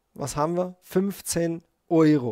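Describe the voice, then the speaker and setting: A man with a high voice speaks at a very slow pace, the sound dry with no echo and the background quiet. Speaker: VR game reviewer. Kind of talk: casual game review commentary. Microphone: headset.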